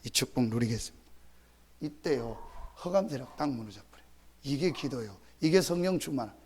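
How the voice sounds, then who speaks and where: Animated pastor preaching. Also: male voice, medium pitch, a little fast, a little hiss or hum. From Chungcheong, Korea. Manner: animated preaching that swings from soft asides to loud emphatic outbursts; conversational, with many fillers and direct appeals to the congregation. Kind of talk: sermon.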